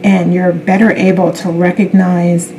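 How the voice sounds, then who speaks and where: A woman speaking as a spiritual self-help influencer, giving an unscripted card reading in a gentle, affirming way with unhurried pauses. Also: fairly low pitch, little pitch movement, slight background noise, rough recording. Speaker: tarot card reader.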